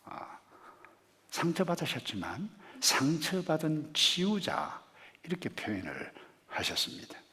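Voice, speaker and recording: Korean pastor preaching with big swings. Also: male voice, on the high side, very animated, a little slow, slight background noise. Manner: swings from hushed murmurs to loud emphatic rhetorical questions; leads the congregation in reading scripture aloud. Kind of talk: sermon.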